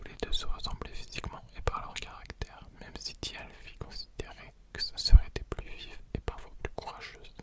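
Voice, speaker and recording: Whispering at a moderate pace comes through over noticeable background noise. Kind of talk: whispered reading of a story. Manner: whispered.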